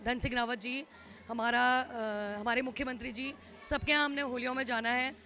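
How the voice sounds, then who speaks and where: A woman speaking outdoors at a festival, giving a long, gravelly interview answer as a cultural group organizer. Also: fairly high pitch, steady tone, normal speed, bright, forceful tone.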